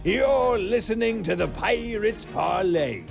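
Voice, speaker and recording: A man's voice: high voice, lively intonation, slow. A man delivering a theatrical pirate-themed show intro. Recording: intro with clear music behind.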